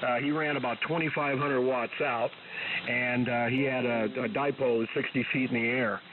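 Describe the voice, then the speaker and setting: Male amateur radio operator, relaxed conversational delivery, sounding distant amid clear static. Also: mid-range voice, moderate pace. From United States. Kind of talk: casual on-air radio chat. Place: amateur radio transmission on 40 meters. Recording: distant tinny shortwave radio, noisy static.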